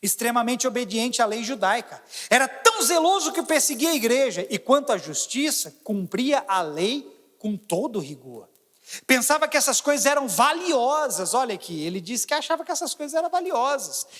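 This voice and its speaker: A man with a Brazilian Portuguese accent preaching a sermon as pastor, swinging between loud exclamations and quiet asides. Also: extremely high pitch, very animated, moderate pace, long reverb tail.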